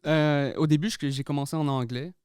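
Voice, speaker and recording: Relaxed young Québécois man, smooth voice. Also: a little high, a little fast, no room sound, clean studio sound. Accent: Québécois French. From Quebec, Canada. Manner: relaxed, laughs easily, mixes in English words. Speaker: guest artist. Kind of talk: casual podcast interview.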